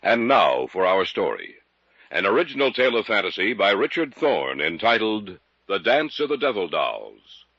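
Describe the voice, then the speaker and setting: Echoey, theatrical old radio drama host. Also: male voice, lowish voice, big pitch swings, moderate pace, a bit bright, muffled recording. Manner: grandly theatrical and inviting. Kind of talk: 1950s radio drama introduction.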